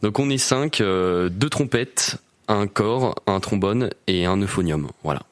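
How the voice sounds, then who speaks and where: A man's voice: lowish voice, expressive, a little slow, dry recording. A man with a French accent chatting casually as an interview guest, easygoing and self-deprecating. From France. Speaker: interview guest, brass musician. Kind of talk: casual chat.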